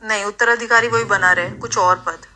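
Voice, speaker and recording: A woman's voice: mid-range voice, fairly even intonation, a little fast, pushed and bright, slight background noise. A woman speaking casually on a recorded phone call, insistent and persuasive. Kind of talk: casual private phone conversation.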